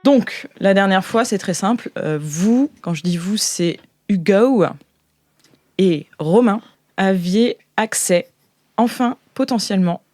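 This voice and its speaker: A woman hosting as game master, narrating an improvised tabletop game in a playful, colloquial, halting way. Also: medium pitch, darkish tone.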